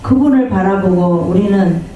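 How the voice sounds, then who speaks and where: A woman's voice: medium pitch, moderate pace, mellow. Woman pastor delivering a sermon in a church, recorded from afar with faint room hiss. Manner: preaching with call-and-response amens, acting out quoted voices. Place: church sanctuary. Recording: echoey church hall from far off.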